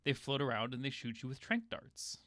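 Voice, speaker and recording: A man's voice: mid-range voice, very animated, brisk, a bit bright, no echo. A man streaming a casual watch-along, joking, laughing often and getting emotional over the film. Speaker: streamer hosting a watch party.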